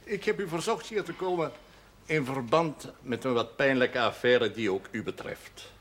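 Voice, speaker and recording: An actor playing a stern, erudite elderly Catholic priest in a television drama, speaking in a measured, formal way with French phrases. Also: male voice, mid-range voice, a bit bright, slight background noise, close to an everyday voice. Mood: formal, courteous. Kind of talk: 1970s television drama acting.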